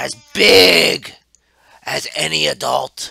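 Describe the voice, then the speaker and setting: A man is heard in a dry sound with no echo against a quiet background. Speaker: YouTube storyteller taking audience requests. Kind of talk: storytelling aloud to kids, spooky bedtime-style tale. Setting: home video recording for online channel. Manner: animated, playful, with hushed dramatic whispers for scary bits. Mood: playful, animated. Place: home room. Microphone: headset.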